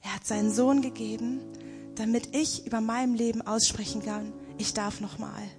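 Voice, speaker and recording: A young woman giving an emphatic spoken-word devotional testimony. She slows right down for the lines she quotes. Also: a little high, flat delivery, music in the background.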